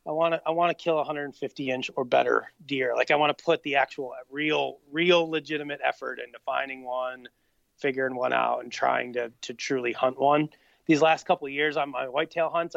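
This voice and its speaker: A man's voice: a little high, creaky, a bit bright, dry recording, highs cut off. A man in his late thirties, chatting casually as a podcast co-host, easygoing and rambling with lots of fillers. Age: 30s. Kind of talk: casual chat.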